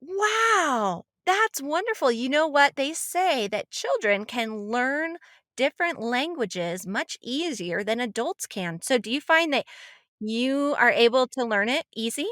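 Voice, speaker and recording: Young female kids'-show host, gently encouraging, slightly high, dry close recording. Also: sing-song, a little slow, no room sound. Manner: gentle, encouraging, often repeats answers back. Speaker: children's program host and interviewer. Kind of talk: children's show interview.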